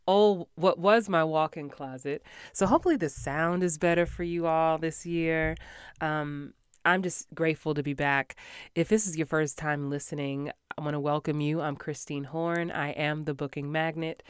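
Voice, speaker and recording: Stuffy-nosed low-voiced woman podcast host. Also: clear, resonant tone, no echo, clean studio sound. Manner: chatty, upbeat, many fillers. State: stuffy from a cold. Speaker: podcast host, actor coach. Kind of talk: casual podcast monologue. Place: small home voiceover booth in a former closet.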